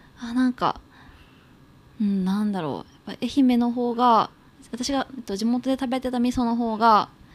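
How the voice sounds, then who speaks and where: The delivery is fairly slow and fairly even in intonation, broken by long, frequent pauses. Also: woman, high pitch for a woman. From Ehime, Japan (Hojo area near Matsuyama). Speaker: guesthouse manager. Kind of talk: casual chat.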